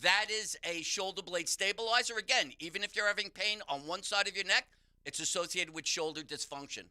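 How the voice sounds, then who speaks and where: A man's voice: high voice, fairly quick, sharp tone. A man, a pain therapist, explaining how the body works on a call-in radio show. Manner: explanatory, instructive. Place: radio studio.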